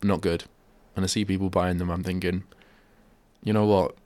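A man's voice: low-pitched, flat delivery, normal speed, a little mellow. A male radio host with a stuffy head cold, chatting in a rambling, self-deprecating way at a studio microphone. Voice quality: bunged-up, nasal. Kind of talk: casual solo radio chat.

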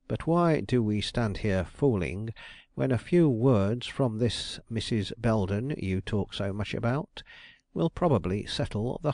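A shrewd detective draws out his questions slowly and suavely, as a man reads him, every word deliberate and courteous. The voice sits in a middle range and is recorded close and dry, like a storybook character. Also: mid-range voice, a little mellow, no room sound. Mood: brisk.

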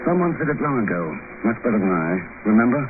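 A man playing a steady, self-assured investigator hero in old-time radio drama, firm and unflustered. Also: mid-range voice, quick pace, close to an everyday voice. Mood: grave. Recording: tinny, noisy old radio recording.

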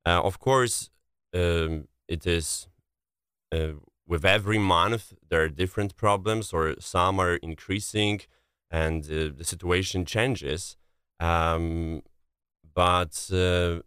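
A man from Poland with a thick Polish accent, answering as an interview guest and often pausing to search for words. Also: deep voice, fairly bright tone, clear, resonant tone, no room sound, clean studio sound. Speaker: interview guest, relief coordinator.

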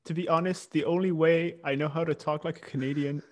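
A man's voice: fairly high pitch, steady tone, fairly quick, darkish tone. A British-accented man co-hosts a podcast in a casual, understated way. His humour is dry, and he often chuckles as he talks with his co-host. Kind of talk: casual banter.

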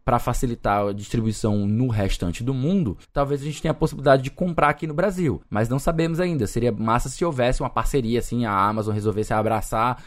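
Brazilian podcast host thinking aloud. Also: male voice, mid-range voice, fast talker, few pauses. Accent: Brazilian Portuguese. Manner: thinks aloud, speculative, with restarts. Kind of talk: casual podcast chat.

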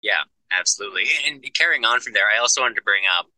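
A man co-hosting a casual book discussion podcast, explaining the story in a steady, agreeable way. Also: fairly low pitch, fast, no room sound, rough recording. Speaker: podcast co-host discussing a novel.

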